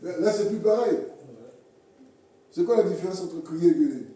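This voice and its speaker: A man preaching a sermon in a halting way, repeating words and acting out little everyday scenes. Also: high voice, mellow. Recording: echoey hall from far off.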